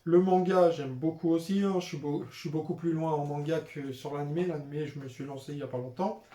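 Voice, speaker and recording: A young man talks casually to his viewers in a fairly high, mellow voice, filling pauses with hesitations. The room rings with a noticeable echo. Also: fairly even intonation. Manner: chatty, with frequent "euh" and "voilà" fillers. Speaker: manga vlogger showing his purchases. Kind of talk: casual unscripted vlog chat. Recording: roomy echoey room.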